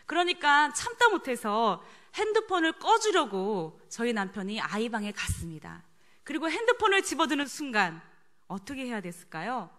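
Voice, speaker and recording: A woman's voice: on the high side, sing-song, moderate pace, a bit bright. A middle-aged woman preaching a sermon. She tells a personal story and asks the congregation questions.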